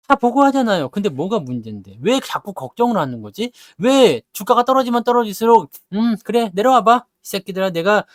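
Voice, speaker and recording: Blunt Korean stock commentator, lively pitch. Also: male voice, no room sound, clean studio sound. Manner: blunt, scolding rhetorical questions; acts out investors' grumbling in quick asides. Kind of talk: lively market talk to viewers.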